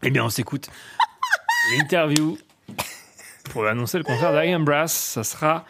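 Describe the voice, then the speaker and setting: A man's voice: on the high side, a little slow, background noise. A man hosting a radio show with casual, joking banter.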